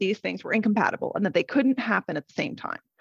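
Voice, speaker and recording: A woman speaks with a West Coast accent. Her pitch is fairly high. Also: dry, close sound with no echo. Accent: general American, West Coast. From Idaho, US West Coast. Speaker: digital strategist, conference speaker. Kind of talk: casual interview chat.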